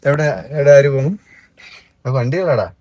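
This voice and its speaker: A woman's voice: a bass voice, fairly quick, warm tone. A woman vlogging casually from a parked car, chatting and coaxing a small child along. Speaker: vlogger and mother. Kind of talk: casual family vlog chat.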